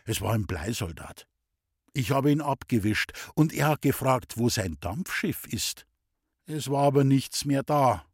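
Husky, lively male storybook reader. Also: mid-range voice, dry recording, studio quality. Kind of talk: storybook reading.

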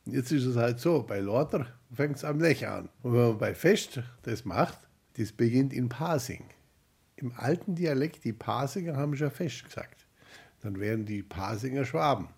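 A man's voice: mid-range voice, animated, moderate pace, gravelly, a little mellow, husky. A man who researches dialects, giving a patient interview answer and explaining with examples.

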